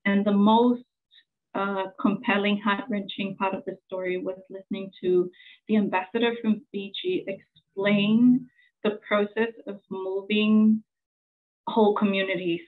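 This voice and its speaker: Samoan woman presenter in her forties, earnest and halting, flat monotone, phone-thin sound. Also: medium pitch, phone-quality sound, faint music behind. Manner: earnest, halting with many fillers. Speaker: journalist presenter. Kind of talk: conference presentation.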